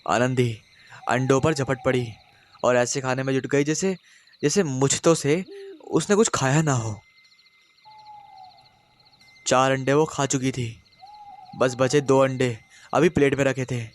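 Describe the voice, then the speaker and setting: A man narrates a horror story in a steady, dramatic way, building suspense line by line. His delivery is even, made for a spoken story compilation. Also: medium pitch, measured pace, long pauses.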